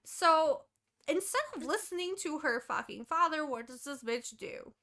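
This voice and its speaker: A woman co-hosting a podcast, recapping a book in casual, animated chat full of swearing. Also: high-pitched, normal speed. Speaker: podcast co-host.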